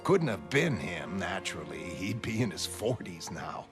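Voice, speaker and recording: A man's voice: low voice, big pitch swings, normal speed, pitched below the performer's own voice. A man voicing a cynical police detective who talks in a dry, streetwise way, over music. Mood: needling. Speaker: motion comic voice actor. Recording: music underneath.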